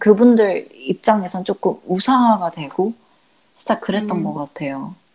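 A woman's voice in a dark, mellow tone. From South Korea and United States. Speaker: podcast co-host. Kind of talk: casual chat. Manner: halting.

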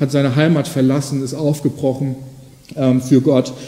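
At a moderate pace, a man with a medium pitch speaks in a somewhat breathy voice with a dark, mellow tone. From Lake Constance region, southern Germany. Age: 30s. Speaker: pastor. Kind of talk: sermon. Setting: church. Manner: casual.

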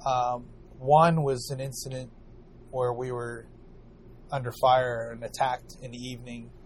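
A man speaks at a moderate pace and medium pitch in a flat monotone, somewhat breathy. His loudness swings widely, and he leaves long, frequent pauses. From Washington D.C. area, Virginia. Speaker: Army veteran. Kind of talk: testimony. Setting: in-person interview at an open house event. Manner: halting, searching for words; vivid, recalling with self-deprecating humor.

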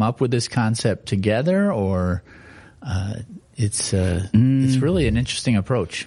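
A man's normal speaking voice at a medium pitch and fairly slow pace, with lively intonation against a quiet background. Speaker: podcast host. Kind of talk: casual interview. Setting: studio.

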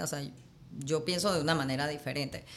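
This woman's pitch is very deep and low, with ordinary variation. She speaks at a very fast pace. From Panama. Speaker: entrepreneur. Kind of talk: interview.

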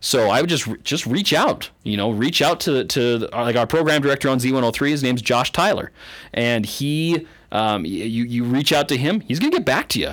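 On a very clean recording with a silent background, a man with an unremarkable speaking voice talks at a moderate pace and medium pitch, with lively intonation and very even loudness. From Canada. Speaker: radio host. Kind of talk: casual chat.

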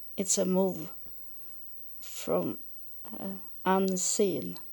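At a very slow pace, a woman speaks in a non-native accent. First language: not English. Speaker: podcaster. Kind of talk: monologue. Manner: halting.

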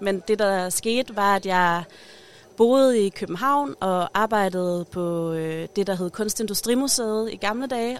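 Her pitch sits at a medium level and varies in an ordinary way, in an unremarkable speaking voice from a woman. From North Zealand, Denmark. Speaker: artist and art historian. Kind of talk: interview. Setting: outdoors.

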